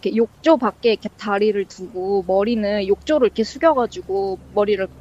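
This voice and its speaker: A woman's voice: medium pitch, brisk, a little mellow. A woman casually telling a ghost story as a guest, rambling and full of fillers, acting out the lines she quotes. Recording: dull lo-fi sound.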